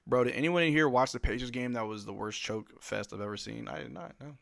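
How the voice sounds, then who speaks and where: A man hosting a live watch-along stream, giving play-by-play commentary and joking reactions as an excitable fan talking to his chat. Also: medium pitch, fast talker, gravelly. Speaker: livestream host.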